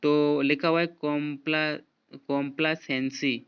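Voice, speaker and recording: Here a man teaches exam prep casually, going through a spelling quiz letter by letter and leaning on many fillers. He sounds a little high and smooth, with little pitch movement and a measured pace, on a dull lo-fi recording.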